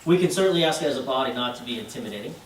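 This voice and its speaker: A man's voice: medium pitch, expressive, very fast. Hesitant man chairing a council meeting. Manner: hesitant, many fillers, seeks agreement with "right?". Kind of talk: meeting discussion. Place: council chamber. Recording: roomy chamber audio from far off with faint hiss.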